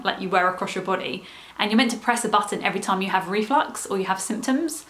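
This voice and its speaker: Casual vlogger: woman, croaky throat, chatty, explains things plainly. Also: mid-range voice, a bit bright. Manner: chatty and explanatory, with many fillers. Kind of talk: casual talk to camera.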